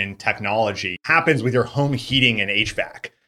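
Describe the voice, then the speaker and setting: Bright and sharp in tone, a man speaks at medium pitch and a moderate pace with lively intonation. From US, Colorado. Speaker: product executive. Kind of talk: interview. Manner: loud.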